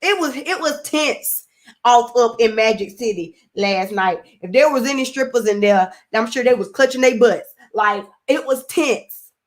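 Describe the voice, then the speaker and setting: A woman's voice: on the high side, a little slow. Laughing Southern woman chatting on a live stream. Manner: animated, laughs often, drawls and drags words. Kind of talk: casual live-stream chat reading comments.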